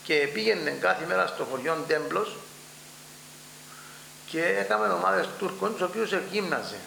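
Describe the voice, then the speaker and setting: Gravelly older Cypriot man reminiscing. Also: sits high. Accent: Cypriot Greek. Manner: animated storytelling, acts out dialogue. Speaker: interviewee. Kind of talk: oral history recollection. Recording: echoey room with faint hum.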